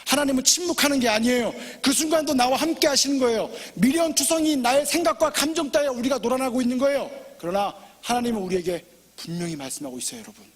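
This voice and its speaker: A man preaching a sermon as pastor, impassioned and personal, swinging from loud pleading to hushed near-whispers. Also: very high voice, fast, in a large hall. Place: church sanctuary.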